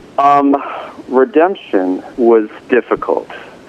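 Noticeable background noise surrounds a man who speaks in an American accent with ordinary pitch variation. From US Midwest, Chicago area. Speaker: pianist and composer. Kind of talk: interview.

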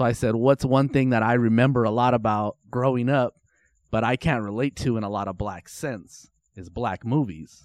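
An unremarkable speaking voice with an American accent, moderate pace and ordinary pitch variation over a quiet background. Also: man, medium pitch for a man, dry, close sound with no echo. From Whittier, California. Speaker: rapper. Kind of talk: casual chat. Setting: art gallery.

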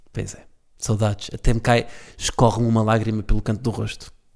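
A man speaks at a medium pitch in a European Portuguese accent. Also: long, frequent pauses, big swings in loudness. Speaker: comedian. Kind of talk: casual solo monologue. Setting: at home.

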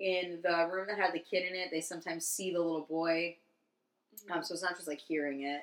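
In a monotone, flat delivery, a woman with a fairly low voice talks at a very fast pace. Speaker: teacher. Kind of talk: casual chat.

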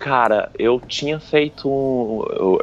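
Very slow speech from a man, his pitch varying in an ordinary way. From Brazil, Minas Gerais (Barbacena). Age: 20s. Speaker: long-distance hiker. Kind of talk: casual interview. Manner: hesitant, many fillers.

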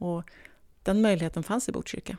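A plain, everyday voice goes along at a fairly quick speed. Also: woman. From Stockholm area, Sweden. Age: 40s. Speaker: local politician. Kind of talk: interview.

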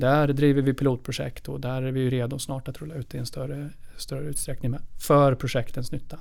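A man speaks at a fairly quick pace in a medium pitch, with monotone, flat intonation. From Sweden, Östergötland. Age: 40s. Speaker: construction executive. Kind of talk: podcast interview.

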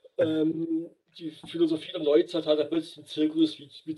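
The speech moves at a fairly slow pace, with fairly even intonation and a dark, mellow tone. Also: man. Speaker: author and systems theorist. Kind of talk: interview.

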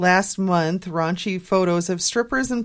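A woman with an unremarkable speaking voice speaks at a moderate pace, medium in pitch with ordinary pitch variation, in a very clean recording with a silent background. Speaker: paranormal quiz show panelist. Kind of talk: casual chat.

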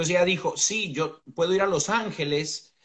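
At a fairly quick pace, a man speaks in a normal speaking voice, his pitch varying in an ordinary way. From San Diego, US.

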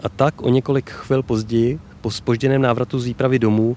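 At a moderate pace, a man speaks in a plain, everyday voice at medium pitch with fairly even intonation. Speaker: composer and sound designer, narrator. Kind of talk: scripted literary narration, reflective audiobook-style reading. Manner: contemplative, evocative, soft-spoken.

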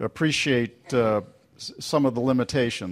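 On a very clean recording with a silent background, a man speaks in an ordinary speaking voice with fairly even intonation. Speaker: pharmacology researcher, lecturer. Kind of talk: conference lecture. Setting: conference stage with audience.

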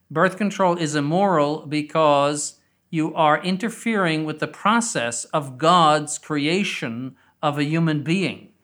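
In a plain, everyday voice, a man speaks at a fairly slow pace and fairly high pitch with ordinary pitch variation, on a very clean recording with a silent background. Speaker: bishop and seminary rector. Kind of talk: interview discussion.

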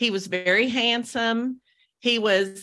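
A woman speaks at a high pitch. Her tone is bright and sharp. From Kentucky. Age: 50s. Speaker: cookie decorator and Instagram influencer. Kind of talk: interview conversation.

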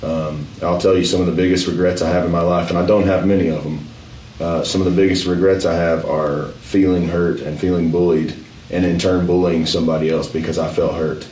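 A man with a very deep, low pitch and an American accent, monotone, flat intonation at a fairly quick pace, with audible room echo and noticeable background noise. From Middle Tennessee, US South. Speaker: musician. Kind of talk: casual chat.

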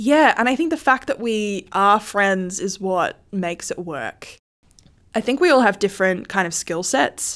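With an Australian accent, a woman of medium pitch speaks at a fairly slow pace with lively intonation. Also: very clean recording, silent background. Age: 20s. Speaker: film writer and director. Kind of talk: interview.

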